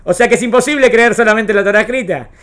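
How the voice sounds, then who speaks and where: A woman's voice: fairly high pitch, very fast, fairly bright tone. Fields: Sex: woman. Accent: Rioplatense. Role: teacher. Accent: Rioplatense Spanish. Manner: questioning, checks understanding often. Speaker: religious studies teacher. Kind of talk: classroom lecture.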